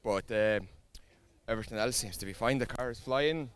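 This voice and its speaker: A man, a drift driver, answering a quick pit interview in a relaxed, modest way. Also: medium pitch.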